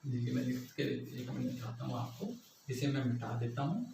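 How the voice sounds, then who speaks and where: A man's voice: mid-range voice, lively intonation, moderate pace, gravelly. A man from Punjab with a Punjabi accent gives a patient classroom lecture, explaining step by step and often checking that his listeners follow. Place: classroom with a board. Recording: echoey room, faint background noise.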